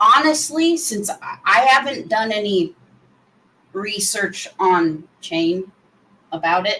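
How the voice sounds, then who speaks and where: A woman's medium-pitched voice in an American accent, very slow with long, frequent pauses and very wide pitch swings. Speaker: crypto show regular panelist. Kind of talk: casual panel chat on livestream.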